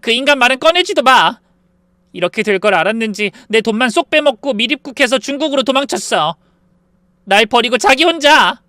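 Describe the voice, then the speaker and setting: A man's voice: very high-pitched, expressive, normal speed, bright, forceful tone, clean tone, no room sound, studio quality, voice pushed up, heavily acted. A man voicing a spiteful young sister-in-law who shrieks and begs by turns. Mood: sobbing pleas.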